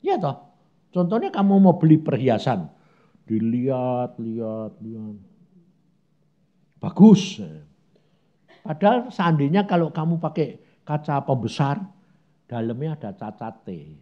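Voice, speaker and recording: A man's voice: medium pitch, very animated, muffled recording. A man preaching a conversational sermon, asking rhetorical questions and acting out little prayers and objections. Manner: acts out prayers and objections in quick asides.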